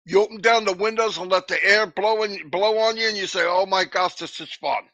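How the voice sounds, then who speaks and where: A man's voice: high-pitched, a little fast, sharp tone, dry recording. A man hosting a motivational livestream, emphatic and repetitive, with a runny nose and a cough. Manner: emphatic, repetitive, preachy pep talk. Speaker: livestream host.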